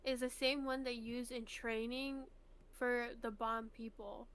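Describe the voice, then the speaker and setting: A woman's voice: fairly high pitch, level tone, measured pace, a bit bright, clear, resonant tone. A woman co-hosting a let's play, giving casual, conversational game commentary in a very informal way. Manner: informal, conversational, full of "like" and "you know".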